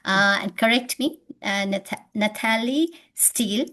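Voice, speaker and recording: A woman's voice: mid-range voice, a little slow, pushed and bright. A woman with a Nepali accent hosting an online webinar, speaking with many fillers and hesitations over a video call. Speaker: webinar host.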